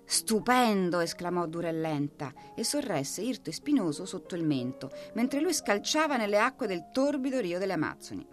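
A woman narrating a children's story aloud in an expressive, lilting way. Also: fairly low pitch, fairly quick, hardly any pauses, soft background music. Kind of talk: storybook reading.

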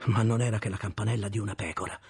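Gravelly, expressive male storyteller. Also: lowish voice, rapid-fire. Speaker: audiobook narrator. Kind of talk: scripted narration.

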